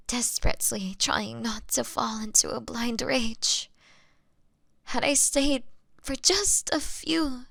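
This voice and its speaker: A woman playing a gentle young female vampire in an audio roleplay, apologetic and halting, with a breathy voice that often drops to a whisper. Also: on the high side, dry recording, exaggerated voice. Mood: strained, confessional. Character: gentle young female vampire, remorseful, fighting her bloodlust. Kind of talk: scripted dramatic audio roleplay monologue.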